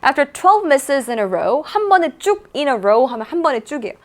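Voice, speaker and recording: Woman teacher doing an exam lecture, highish voice, super animated ups and downs, slow english reading then quick explaining. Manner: lively, reads English lines slowly then explains in Korean.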